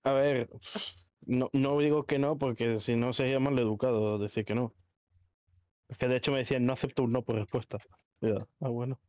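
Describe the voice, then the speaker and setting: A man with a Spanish accent from Spain talks casually among gaming friends. His voice sits at a middle pitch, and the sound is dry, with no room around it. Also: steady tone, brisk, darkish tone, no room sound. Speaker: online roleplay gamer.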